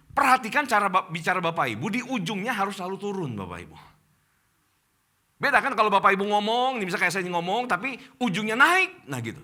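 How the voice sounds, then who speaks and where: A middle-aged male pastor with an Indonesian accent preaching a sermon to his congregation in church, addressing them directly. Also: high-pitched. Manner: addresses congregation as Bapak Ibu, animated preaching.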